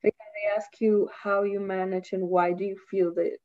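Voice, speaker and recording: A woman's voice: medium pitch, flat delivery, normal speed. Chatty woman, muffled audio. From Costa Rica. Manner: chatty, laughs often, trails off mid-sentence. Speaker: guest, university student. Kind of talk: casual interview chat. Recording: dull lo-fi audio.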